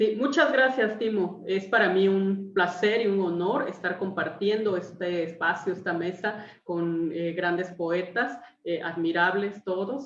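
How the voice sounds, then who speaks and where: A woman at medium pitch with an Oaxacan accent, at a fairly slow pace with hardly any pauses, in audible room echo. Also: ordinary pitch variation. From Mexico, Juchitán, Oaxaca. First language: Zapotec (speaking Spanish). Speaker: poet. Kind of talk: poetry reading event.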